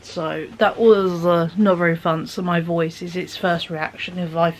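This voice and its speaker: A woman's voice: on the low side, steady tone, normal speed, slight background noise. A woman vlogging from home into a phone at arm's length, chatting in a rambling way with lots of fillers and dips into whispers, her voice sounding tired. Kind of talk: chatty vlog monologue.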